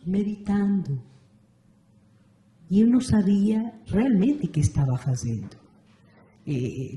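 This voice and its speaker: Interview guest: Argentine woman in her sixties, Spanish-accented, mellow and unhurried, in a roomy space. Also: mid-range voice. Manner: measured, thoughtful, frequent "não é certo" tag. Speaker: interview guest, meditation teacher. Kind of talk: reflective interview answers. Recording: roomy echo.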